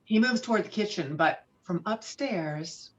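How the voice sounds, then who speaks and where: Over dull, lo-fi video call audio, a woman with a mid-range voice narrates a table read, delivering the screenplay's stage directions dramatically. She sounds animated and keeps a measured pace.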